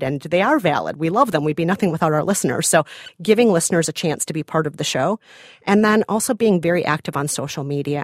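A woman's voice: deep voice, dry recording, studio quality. A woman with a Minnesota accent, chatting enthusiastically as a podcast guest. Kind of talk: casual interview chat.

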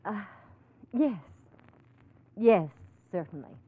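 A woman's voice: medium pitch, animated, takes it slowly. An American actress playing a secretive, guarded woman with a shady deal, clipped and evasive, in 1940s radio style. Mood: uneasy. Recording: noisy, tinny old radio recording.

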